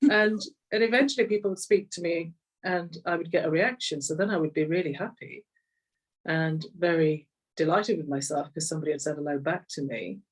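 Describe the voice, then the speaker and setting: A woman's voice: low voice, brisk, slightly rough, distant mic, rough recording. A middle-aged woman with an English accent tells personal stories conversationally, reflective and repeating phrases for emphasis. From Kenya, later rural England. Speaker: interview guest, executive coach.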